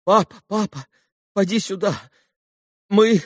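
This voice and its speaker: Guy doing a sick little boy, high shaky tearful voice, pleading, dry close audiobook sound. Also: animated, measured pace, no echo. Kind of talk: audiobook character reading.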